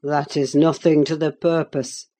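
A woman voicing a cold, scornful middle-aged man who speaks slowly and deliberately in an audiobook. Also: deep voice, flat delivery, dark tone. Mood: menacing. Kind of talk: audiobook character reading.

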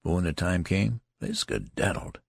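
A man's voice: low-pitched, big pitch swings, moderate pace, creaky, breathy edge, no echo, full character voice. Man playing a bitter, doubtful young soldier. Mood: sceptical. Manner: country dialect, sour and dry.

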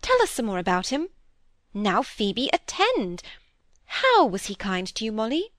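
A woman's voice: a little high, wildly swooping pitch, measured pace, a bit bright, dry recording, studio quality, full character voice. A woman voicing a bossy, gossiping elderly spinster who talks in an emphatic, scolding way. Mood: prying.

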